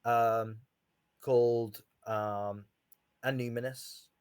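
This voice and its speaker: A man's voice: mid-range voice, steady tone, extremely slow, darkish tone, clean tone, dry recording, studio quality. A man running a tabletop game as game master, his voice stuttering and cutting out over an online call connection, with many ums and restarts.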